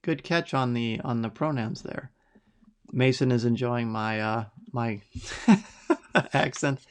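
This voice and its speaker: A man's voice: mid-range voice, animated, slow pace, clean tone. A middle-aged man hosting a live podcast from a home studio. He reads out viewers' picks and reacts to each with enthusiasm. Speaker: podcast host. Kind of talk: live podcast chat reading viewer lists.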